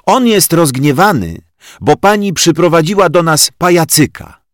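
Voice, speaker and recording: Brief: shrill, eager little schoolgirl voiced by a man reading a story, high and lively. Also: moderate pace, no echo, clean studio sound, close to an everyday voice. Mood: excited.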